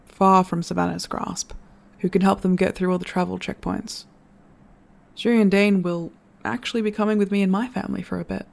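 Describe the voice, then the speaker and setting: An actor playing a reflective storyteller in an audio drama, giving an earnest, measured farewell address to listeners. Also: mid-range voice, vocal fry, darkish tone, lightly acted. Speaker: narrator.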